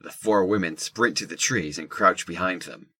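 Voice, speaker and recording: A man's voice: low voice, normal speed, pushed and bright. A man narrating a scripted audio drama.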